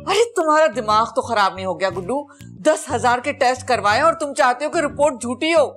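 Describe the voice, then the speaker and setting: A woman's voice: high-pitched, expressive, fairly quick, a bit bright, faint music behind. An actress playing a melodramatic older mother with a Pakistani Urdu accent, wailing and complaining theatrically in a sitcom. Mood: bossy. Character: melodramatic old mother, hypochondriac, bossy and wailing. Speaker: ailing mother-in-law. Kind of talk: sitcom acting.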